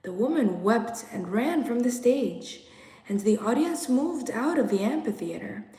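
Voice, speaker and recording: A woman reads a story aloud as a storyteller, taking her time over each phrase. Her voice is mellow and relaxed, with a dramatic, measured delivery. The room adds a noticeable echo. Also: a little high. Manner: measured, dramatic, hushed in places. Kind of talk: expressive literary story reading. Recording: roomy, echoing room sound.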